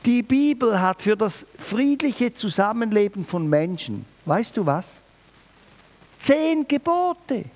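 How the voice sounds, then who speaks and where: A man preaching a New Year sermon, emphatic and lively, speaking directly to his listeners. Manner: lively, emphatic, varies pitch and volume, addresses listeners directly.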